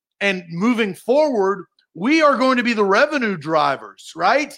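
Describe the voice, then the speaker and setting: At an extremely high pitch, a man uses a raised, projected voice with a bright, sharp tone. His delivery is animated and lively in intonation, at a fairly slow pace. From Nashville, Tennessee. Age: 30s. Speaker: sports talk host. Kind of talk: casual chat.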